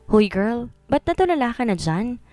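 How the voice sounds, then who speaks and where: A woman's voice: fairly high pitch, big pitch swings, moderate pace, mellow, no room sound, soft background music, pitched above the performer's own voice. A woman doing a sassy gay best friend. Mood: teasing. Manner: teasing, brash.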